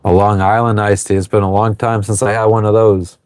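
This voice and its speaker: A man's voice: lowish voice, level tone, fairly quick, darkish tone, no echo. Laid-back man chatting on a livestream. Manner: swears freely, chatty and offhand. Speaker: livestream host. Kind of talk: casual live chat reading viewer comments. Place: on an anchored sailboat.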